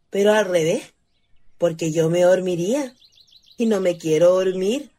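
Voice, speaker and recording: A woman's voice: fairly high pitch, mellow. An actress playing a young rural Chilean ghost girl in a radio play, wistful and cheeky, with a dreamy girlish manner. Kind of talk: radio theatre acting.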